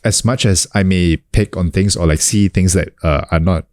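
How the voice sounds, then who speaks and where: A very low-voiced man in his thirties from New Zealand talks through a casual interview. He keeps it relaxed, leaning on fillers and restarting his sentences. The sound is dry and close. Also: normal speed, no room sound. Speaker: guest, actor and coach.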